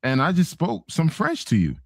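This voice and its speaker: A man's voice: a little high, wildly swooping pitch, normal speed, vocal fry, no echo, clean studio sound. Haitian man telling a story. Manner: storytelling, laughs while telling. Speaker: panelist. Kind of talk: casual online panel chat.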